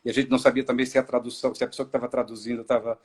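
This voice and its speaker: A middle-aged man from Ceará, an actor and director, telling his story in a relaxed live-stream interview, with many fillers and restarts. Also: mid-range voice, very fast, slightly rough. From Ceará, Brazil. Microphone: video call.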